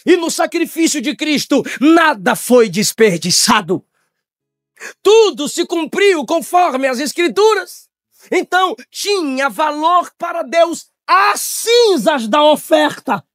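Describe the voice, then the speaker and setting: A man's voice: lively intonation, slow, no room sound, studio quality, soft background music. Man preaching a fiery Pentecostal sermon. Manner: shouting and swinging from loud high bursts to low quiet tones.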